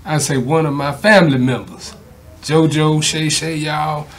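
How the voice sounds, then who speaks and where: Higher-voiced man hosting a chat. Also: fairly even intonation, unhurried. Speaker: talk show host. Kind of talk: casual interview chat.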